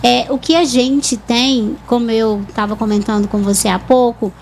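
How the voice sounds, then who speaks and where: A woman with a Brazilian accent, a speech therapist calmly explaining voice and articulation in a TV interview. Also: fairly high pitch, normal speed, a little hiss or hum, poor audio. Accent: Brazilian Portuguese. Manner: calm, didactic explanations with examples.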